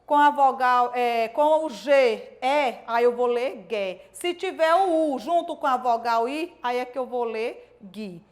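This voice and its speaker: A woman teacher giving a recorded video lesson to young pupils, explaining slowly, repeating herself and sounding out syllables one by one. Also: on the high side. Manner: explains slowly and repeats points, asking "certo?" and "né?" often.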